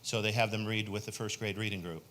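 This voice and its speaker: With a lowish, fairly bright voice and a steady tone, a man talks fast from the conference floor, a state senator posing a question. He earnestly pushes a program at great length, and there's a little hiss or hum on the recording.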